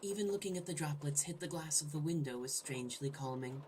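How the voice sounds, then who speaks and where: A woman's voice: sits low, quick pace, a little mellow, a little hiss or hum. A woman hosting a gaming video, playfully reading the script aloud and commenting with irreverent, sudden exclamations. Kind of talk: let's play commentary, joking read-aloud narration.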